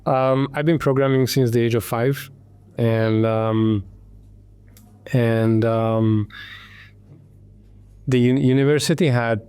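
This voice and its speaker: A man from Hungary in his thirties, a tech entrepreneur telling his story in an interview, halting with many ums and restarts. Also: mid-range voice, steady tone, a little mellow, clean tone.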